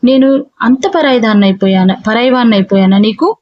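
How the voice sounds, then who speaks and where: A man's voice: extremely high pitch, brisk, muffled recording. A woman voicing an indignant, protective young man. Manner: earnest, heated, pleading.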